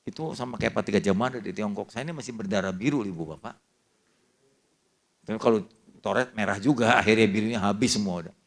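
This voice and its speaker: An older male pastor preaching with a fairly low voice. He tells a family story in lively dialogue and drops casual slang in among the formal words. The delivery stays lively and personal throughout. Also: fast talker, gravelly. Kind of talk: sermon.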